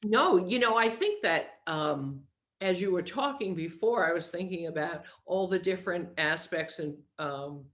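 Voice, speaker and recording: A woman's voice: lowish voice, animated, measured pace, a bit bright. A woman hosting a podcast, asking questions and adding short encouraging comments in a casual conversational way. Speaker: podcast host.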